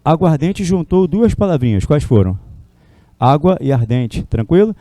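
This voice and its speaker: A man's voice: on the high side, lively intonation, moderate pace, dark tone, dry recording. A Brazilian man teaching a classroom lecture in a chatty way, forever tossing tag questions at his students. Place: classroom with a whiteboard.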